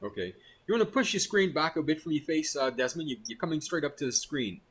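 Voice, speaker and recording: A man hosts a relaxed video-call interview, his voice a little husky and pitched fairly high. He talks in an easygoing, chatty way and laughs easily. He asks his questions loosely, with frequent asides. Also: fast. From Bahamas. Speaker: host. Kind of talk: casual interview chat.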